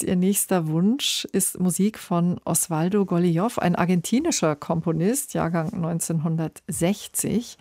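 A woman's voice: fairly low pitch, a little mellow, no room sound, studio quality. A woman hosting a classical music radio program, introducing pieces and interviewing a guest in a polished presenter manner.

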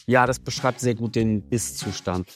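A man being interviewed as a musician guest on the radio, talking in a reflective, measured way with many "also" fillers. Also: medium pitch, music in the background.

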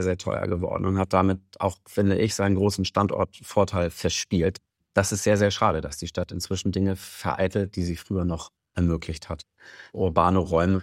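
A man with a very deep voice talks as a musician guest in a radio studio. He speaks in a measured, reflective way and often opens with "also". The sound is dry and close. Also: vocal fry, a little mellow, dry recording. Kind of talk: radio interview.

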